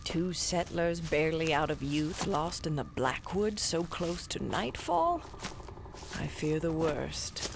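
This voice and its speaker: A learned classicist tells her tale in a measured, formal way, often in a hush, voiced by an actress in an audio drama. Her voice sits a little low and moves slowly. There is faint background noise. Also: animated, gravelly. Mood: storytelling. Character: stern, learned woman classicist and storyteller.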